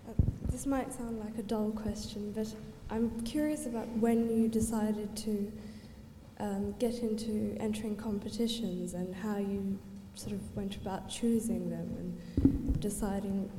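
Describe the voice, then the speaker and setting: A woman's voice: medium pitch, level tone, measured pace, noisy background. A woman in an audience asking a modest, hesitant question into a passed microphone. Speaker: audience member. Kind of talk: question from the floor. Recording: echoey hall via handheld mic, clicks.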